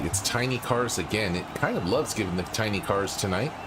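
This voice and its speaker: At a moderate pace, a man speaks in a very deep, low pitch, with audible room echo and noticeable background noise. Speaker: live streamer hosting game races. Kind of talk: live commentary. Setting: live stream.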